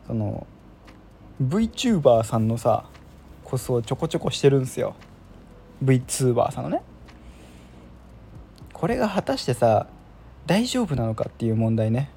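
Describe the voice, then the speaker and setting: A man chats alone on his show in a mellow, warm tone, rambling and poking fun at himself with plenty of fillers. His pitch swings up and down lively as he goes. A faint hiss sits under the home recording. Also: vocal fry. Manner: rambling, self-deprecating, many fillers. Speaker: podcast host. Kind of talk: casual solo chat.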